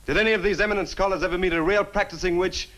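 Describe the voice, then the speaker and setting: An actor playing a skeptical, argumentative scientist in a 1960 horror film, with a brisk, emphatic manner. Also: male voice, sits high, steady tone, fairly bright tone. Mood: scornful, argumentative.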